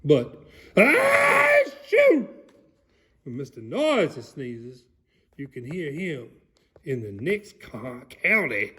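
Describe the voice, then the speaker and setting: A man voicing a folksy, excitable country alligator, giving a theatrical comic storybook reading. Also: a little high, takes it slowly, breathy edge, exaggerated voice. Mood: hammy, excited. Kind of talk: dramatic storybook reading, played for comedy.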